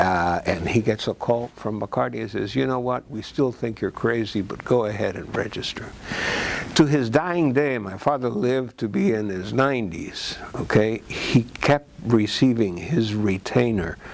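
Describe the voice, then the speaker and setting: Noticeable background noise sits under the recording. A man's voice rises and falls with lively intonation. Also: medium pitch for a man, moderate pace. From Cuba. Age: 60s. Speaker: film and music figure. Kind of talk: autobiographical storytelling. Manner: halting, many fillers.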